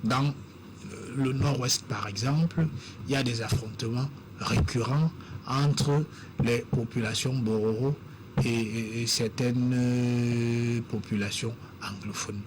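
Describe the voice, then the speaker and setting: A man on a TV panel, speaking in a measured, deliberate way with frequent pauses and fillers. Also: mid-range voice, steady tone, noisy background. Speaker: panel guest. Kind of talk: measured TV debate.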